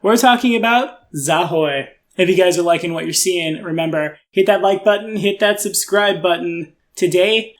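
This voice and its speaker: A young man hosting an online channel, giving a casual overview of tabletop game lore with dry, sarcastic asides. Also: high voice. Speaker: YouTube host explaining game lore.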